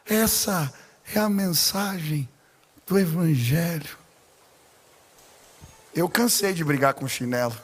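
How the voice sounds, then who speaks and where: A man with a Brazilian Portuguese accent preaching a sermon as pastor, telling stories animatedly and building to shouted exclamations. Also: a little high, animated, slow, long pauses. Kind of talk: sermon with personal storytelling. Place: large church sanctuary. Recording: long hall reverb in a church.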